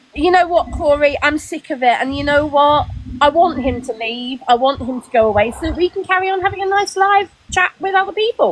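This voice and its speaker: A woman with a high voice talks at a fairly quick pace with lively intonation and hardly any pauses, over noticeable background noise. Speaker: social media personality. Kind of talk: heated debate. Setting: live stream.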